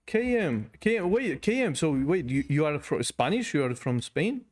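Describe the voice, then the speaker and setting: Man, fairly high voice, curious questions, repeats "yeah, yeah", casual video call. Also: very animated, normal speed. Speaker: language learner and channel host. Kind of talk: casual lesson chat.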